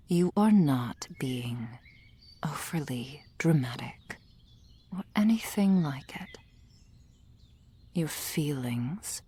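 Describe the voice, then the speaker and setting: A woman voicing a gentle female soul healer in an ASMR roleplay, whispering softly and soothingly into a close microphone. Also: low voice, exaggerated voice. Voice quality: breathy whisper. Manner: soft whispering, slow and soothing. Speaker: ASMR performer.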